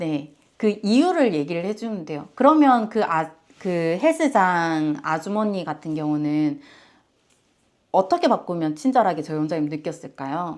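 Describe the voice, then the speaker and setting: The speech has a Daegu accent and lively intonation. The pace is fairly slow. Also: woman, fairly low pitch for a woman. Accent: Daegu dialect intonation, still present. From Daegu, Gyeongsang, South Korea. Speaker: counselor and YouTuber. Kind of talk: advice talk to camera. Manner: strong, forceful way of speaking.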